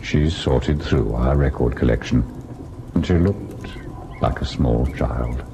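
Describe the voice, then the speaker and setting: An actor playing a devoted, sorrowful husband in an old-time radio ghost drama, measured and tender in his delivery. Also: extremely low pitch, background noise, exaggerated voice. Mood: wistful, grave. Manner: measured, melancholy narration, tender and indulgent in dialogue. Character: devoted husband recalling a haunted, sorrowful tale.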